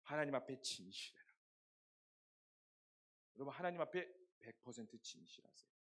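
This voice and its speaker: A hoarse young man preaching a sermon to a youth group, telling stories and asking the congregation rhetorical questions. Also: mid-range voice, animated, normal speed, a bit bright. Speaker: youth pastor.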